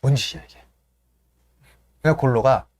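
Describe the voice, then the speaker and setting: A man's voice: medium pitch, no room sound, clean studio sound. A man hosting a casual show, retelling the scenes of a play and acting out the lines of its characters. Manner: lively, breaks into laughter and apologizes; acts out lines in quick voices. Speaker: host.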